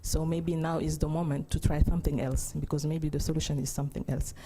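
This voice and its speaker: A woman's voice: sits low, little pitch movement, quick pace, dark tone. A woman of about thirty with a Senegalese, French-speaking accent gives a conference testimony, hesitantly searching for words. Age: 30s. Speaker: pediatric oncologist giving a testimony.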